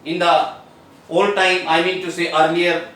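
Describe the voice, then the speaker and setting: A man's voice: a little high, little pitch movement, unhurried, a bit bright. A man teaching a video lesson, earnest and repetitive, often calling to his students with hesitant fillers. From India. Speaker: English teacher. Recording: very echoey room, distant mic, faint noise.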